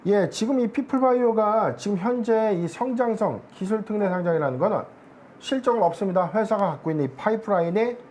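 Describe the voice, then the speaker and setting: A man speaking as an analyst guest on a stock market show, explaining in a measured way with many filler words. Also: sits high, a little mellow, slight background noise.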